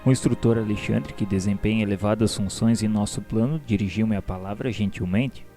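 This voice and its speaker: A man with a Brazilian accent playing an earnest, curious spirit pupil who narrates a radio drama in a measured, formal, solemn way. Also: fairly low pitch, steady tone, lightly acted. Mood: earnest, reverent. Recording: music behind the voice.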